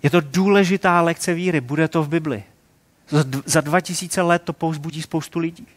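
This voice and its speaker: A man in his forties preaching a sermon in a relaxed, conversational way, asking rhetorical questions. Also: fairly high pitch.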